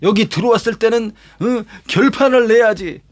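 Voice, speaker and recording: A man's voice: very high voice, moderate pace. A male pastor telling a Bible story as a lesson, dramatic, with vivid sound words and rhetorical questions. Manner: acts out quoted lines himself.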